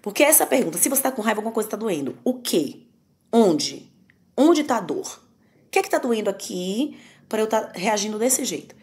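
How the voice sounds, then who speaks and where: A psychoanalyst with a Brazilian Portuguese accent appears as a guest on a conversational podcast, speaking candidly and emphatically with some self-mockery. Her mid-range voice is brisk and a little mellow, with big pitch swings.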